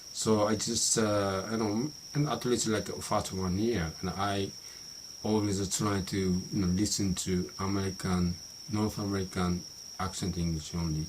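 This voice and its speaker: A middle-aged man from Japan with a Japanese accent, talking about how he learns English in a halting monologue full of restarts and "you know" fillers. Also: deep voice, background noise. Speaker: vlogger. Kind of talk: unscripted monologue practicing English.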